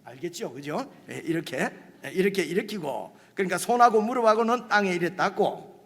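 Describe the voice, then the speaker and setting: A man preaches in a chatty, animated way, often turning to the congregation for agreement. His voice sits high and swings widely in pitch, with a husky edge. A long reverb trails his words through the church. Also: brisk. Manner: animated, conversational preaching with rhetorical asides to the congregation. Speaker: pastor. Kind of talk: sermon. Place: church sanctuary.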